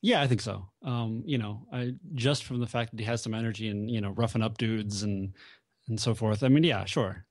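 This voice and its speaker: A man's voice: on the low side, moderate pace, a little mellow, dry recording, studio quality. A man co-hosting a casual film commentary, laid-back with brief replies. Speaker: podcast co-host.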